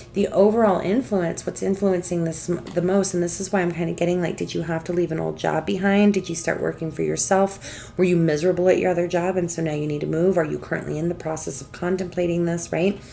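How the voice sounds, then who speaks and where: Over noticeable background noise, a woman with a fairly low voice talks at a very fast pace with hardly any pauses and fairly even intonation. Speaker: tarot reader. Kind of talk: tarot reading monologue. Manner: casual, hesitant with fillers.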